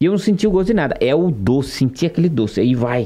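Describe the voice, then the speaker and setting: Dark, mellow tone from a man at a fairly high pitch, with very wide pitch swings and a moderate pace. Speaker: podcast host and singer. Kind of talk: casual chat.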